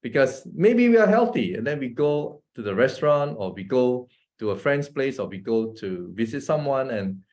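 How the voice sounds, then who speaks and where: A man's voice: medium pitch, big pitch swings, moderate pace, few pauses, darkish tone. A man from Malaysia with a Malaysian English accent, giving a casual talk to an audience, chatty, often asking "right?" and laughing between points. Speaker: presenter.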